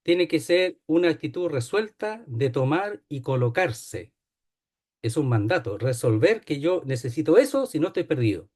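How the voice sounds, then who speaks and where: A man's voice: fairly high pitch, big pitch swings, moderate pace, a little mellow, breathy edge. Man teaching a Bible study. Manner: explanatory, repeats key phrases, asks "¿ya?".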